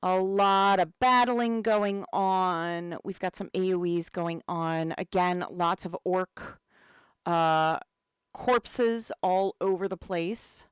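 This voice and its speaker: A woman's voice: lowish voice, takes it slowly, clear, resonant tone, no room sound, studio quality. A woman with a cold, hosting a live game stream as community manager, chatting casually with lots of fillers and greeting viewers. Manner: chatty and relaxed, many fillers, greets chat. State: has a cold.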